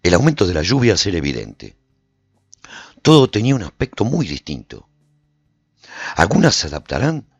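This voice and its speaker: A man narrating a radio drama in an expressive storytelling manner. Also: sits low, gravelly, breathy edge, no echo. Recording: dull lo-fi recording with faint music.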